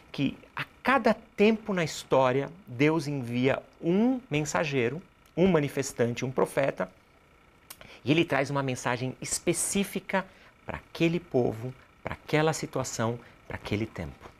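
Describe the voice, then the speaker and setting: A man's voice: a little high, lively intonation, moderate pace. A Brazilian man speaking as an interview guest, explaining ideas in a didactic way and answering his own rhetorical questions. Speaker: interview guest, cultural producer and activist.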